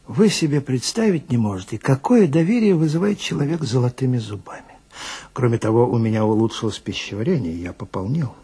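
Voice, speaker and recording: Casting: male actor as genteel male swindler, fifties, obsequious and plaintive, very husky and gravelly, radio storytelling. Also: mid-range voice, mellow, full character voice. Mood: plaintive, self-justifying. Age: 50s. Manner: obsequious, sighing, wheedling, self-righteous. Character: polite, plaintive 52-year-old male marriage swindler with dignified airs. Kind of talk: dramatic monologue, character dialogue.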